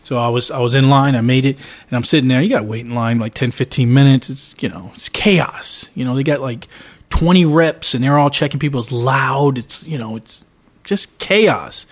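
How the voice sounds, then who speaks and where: A man's voice: mid-range voice, moderate pace. Guy rambling through a story on a podcast, keeps restarting his words, average voice. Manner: rambling, repeats words, animated retelling. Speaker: podcast co-host. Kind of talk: casual chat, storytelling.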